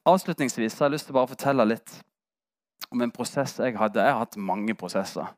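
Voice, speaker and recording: A man, a pastor preaching a sermon and telling a personal story with candid, self-mocking humor. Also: mid-range voice. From Norway.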